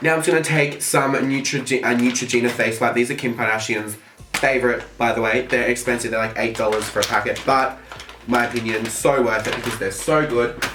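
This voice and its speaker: Heard with audible room echo and noticeable background noise, the speech moves at a fairly quick pace with fairly even intonation. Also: man. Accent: Australian. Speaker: beauty vlogger. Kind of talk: makeup tutorial chat. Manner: fast; louder than normal.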